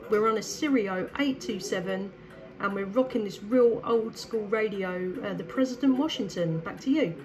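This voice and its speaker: A woman's voice: medium pitch, normal speed, poor audio. A woman with a southern English accent chatting casually and enthusiastically as a CB radio operator. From southeast England. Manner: enthusiastic, effusive. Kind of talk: casual two-way radio chat.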